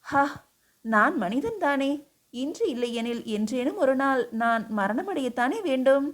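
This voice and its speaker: A woman's voice: high voice, animated, measured pace. A woman voicing a stern, exasperated male emperor who scolds his wife with incredulous questions, in an audiobook reading. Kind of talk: audiobook character voice.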